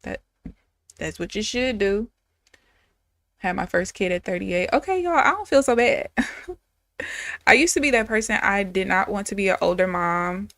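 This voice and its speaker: A woman's voice: medium pitch, expressive, moderate pace, pauses often, fairly bright tone, no room sound. Candid woman in her thirties, chatty trader. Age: 30s. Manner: candid, chatty, talks straight to viewers. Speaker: day trader streaming live. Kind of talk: casual live-stream chat.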